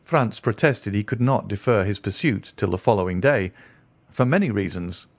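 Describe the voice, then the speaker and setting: A man's voice: on the low side, lively intonation, moderate pace, no echo. A man reading literary narration for an audiobook in a scripted, storytelling style.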